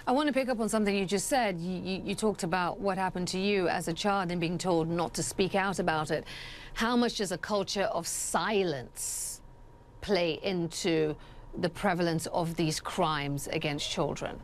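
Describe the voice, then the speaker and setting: A woman's voice: fairly low pitch, normal speed, a little hiss or hum. A woman anchoring a news broadcast who introduces a guest and asks poised, probing questions. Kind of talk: news interview.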